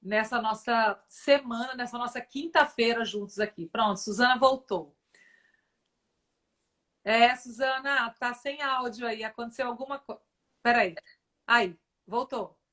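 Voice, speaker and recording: A woman's voice: a little high, unhurried, a bit bright. A woman hosting a casual live stream, chatty and addressing viewers directly. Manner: chatty, fillers like né, talks to audience.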